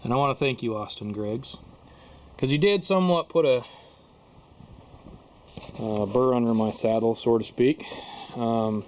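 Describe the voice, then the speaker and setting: A man's voice: medium pitch, unhurried, pauses often, a little mellow, a little hiss or hum. A man giving himself a candid, folksy pep talk in casual, rambling vlog style about getting work done. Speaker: car restorer making a vlog. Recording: dull lo-fi camera audio.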